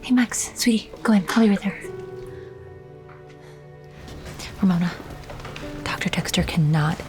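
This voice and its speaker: A woman's voice: mid-range voice, a little fast, lightly acted. An actress playing an anxious young mother who protects her son, talking tensely and pleadingly. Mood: urgent. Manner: tense, pleading, hushed at times. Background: music.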